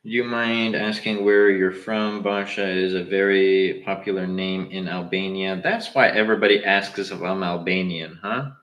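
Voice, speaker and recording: A young man with a Southern Californian accent chats loosely and slangily, answering viewers on a live stream. His voice sits a little low. The room around him rings with echo. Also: steady tone, moderate pace, few pauses, fairly bright tone, dull audio. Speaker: livestream host. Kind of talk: casual livestream chat.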